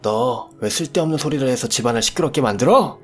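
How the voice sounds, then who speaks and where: A bullying older father-in-law bellows and curses, as a male reader puts him on. The voice sits mid-range with loud, jagged outbursts over faint background music. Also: mid-range voice, lively intonation, fast, natural voice. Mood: scolding. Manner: shouting, cursing. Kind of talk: storytelling radio drama voice.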